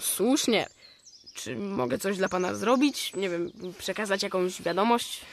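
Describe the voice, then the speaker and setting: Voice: medium pitch, unhurried, gravelly, slight background noise. An actor playing a cheeky young boy in a radio play, chatty and matter-of-fact, coolly cynical. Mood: helpful. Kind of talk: Polish radio play dialogue.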